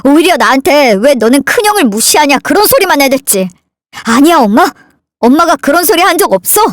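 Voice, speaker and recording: A woman's voice: sits high, very animated, fairly quick, dry recording, clean studio sound. A woman voicing a resentful grown son who is fed up with his family, in a dramatized story reading. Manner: bitter, accusing.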